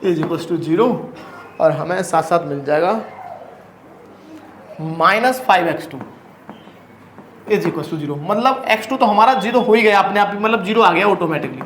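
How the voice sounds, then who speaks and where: A man's voice: sits high, a little slow, long pauses, a bit bright, a little hiss or hum. A man teaching math at a board, explaining each step and asking the class rhetorical questions in a casual, chatty way. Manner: casual and chatty, calls students brother. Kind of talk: blackboard lecture. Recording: echoey room.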